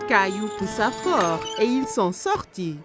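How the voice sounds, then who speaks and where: A woman playing the warm narrator of a children's cartoon, telling the story in an expressive storybook style. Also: medium pitch, takes it slowly. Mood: storytelling. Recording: music behind.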